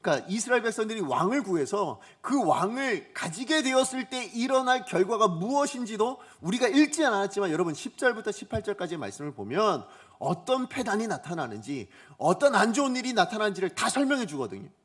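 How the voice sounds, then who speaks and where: Husky, animated preacher with a high voice. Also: male voice, brisk, few pauses. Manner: asks the congregation questions and acts out quoted voices. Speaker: pastor. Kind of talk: Sunday morning sermon. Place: church sanctuary.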